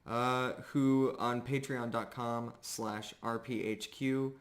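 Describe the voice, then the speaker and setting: A man narrating a live tabletop game as game master, casual and pausing often as he goes. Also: medium pitch, little pitch movement.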